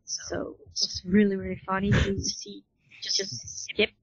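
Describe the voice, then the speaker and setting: Even-toned woman, lo-fi audio. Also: medium pitch, measured pace, breathy edge. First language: Dutch. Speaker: podcast guest, forum admin. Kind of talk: casual interview chat.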